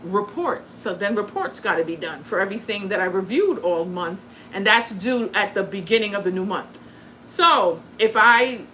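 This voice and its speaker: A woman born in Guyana and raised in the US hosts a laid-back crafting livestream, chatting away bluntly, cursing freely, and poking fun at herself. Her voice sits in the middle range with a slightly bright edge. The audio is poor, with a bit of hiss or hum.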